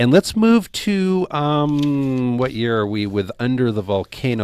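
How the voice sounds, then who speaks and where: An unremarkable speaking voice moves at a fairly slow pace with lively intonation, sounding dry and close with no echo over a quiet background. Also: man. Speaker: radio movie show co-host. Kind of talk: casual chat.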